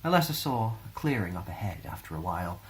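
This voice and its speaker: Male storyteller, Scottish, low voice, gentle and expressive reading of children's fantasy. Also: fast talker. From Scotland.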